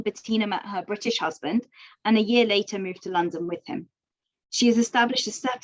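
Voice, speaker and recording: Woman presenter reading, muffled sound. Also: mid-range voice. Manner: steady reading, hesitant when speaking freely. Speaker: event presenter. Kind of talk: reading a biography, then introducing a film.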